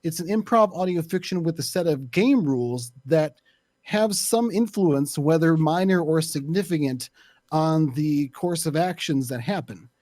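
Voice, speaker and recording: A man explaining his opinions in a casual discussion, deliberate and often searching for the right words. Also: a little high, lively intonation, darkish tone, no room sound. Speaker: panelist, actual play creator.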